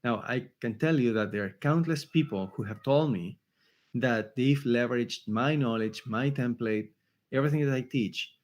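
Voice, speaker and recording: A man with an Argentine Spanish accent teaches a resume-building workshop at a mid-range pitch. He talks emphatically, repeats his key points, and keeps checking in with his listeners. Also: normal speed. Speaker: career coach.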